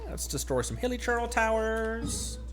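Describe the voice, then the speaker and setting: Man with a lively, swinging pitch, streaming games. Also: a little slow, over music. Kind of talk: casual gameplay commentary.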